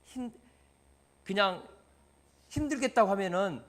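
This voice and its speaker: A male pastor preaching a sermon, lively, asking the congregation questions and acting out everyday dialogues as examples. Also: sits high, unhurried.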